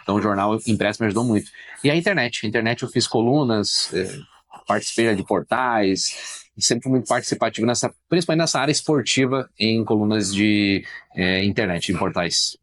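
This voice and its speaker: A man, a journalist guest, talking in a casual podcast interview, opinionated and emphatic, telling stories quickly. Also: on the low side, a bit bright.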